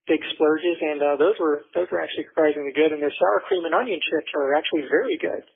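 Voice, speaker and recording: A man chatting casually and haltingly over a prison phone line. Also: on the high side, creaky, husky. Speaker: jail inmate on a phone call. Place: jail phone in a pod. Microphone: telephone handset.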